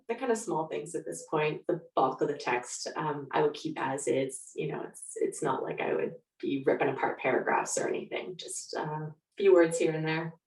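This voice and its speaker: A woman with a slightly low voice talks conversationally as an interviewed author. The sound is roomy and echoing, and she sits some distance from the microphone. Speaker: guest author.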